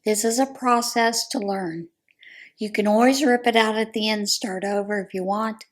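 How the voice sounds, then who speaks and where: An American woman whose voice is a little hoarse talks through a relaxed crochet vlog. Her talk is chatty and meandering, full of small ums and asides, with an easygoing, friendly pace. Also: mid-range voice, normal speed. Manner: chatty, rambling, with frequent ums. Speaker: crochet vlogger. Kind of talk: casual chat.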